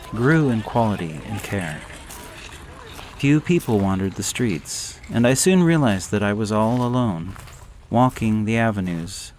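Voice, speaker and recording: A man narrating a gothic horror story in a measured, deliberate way. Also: fairly low pitch, a little hiss or hum.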